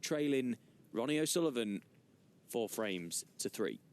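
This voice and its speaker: A man giving measured live snooker commentary as a broadcast commentator. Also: animated. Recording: rumbly background noise.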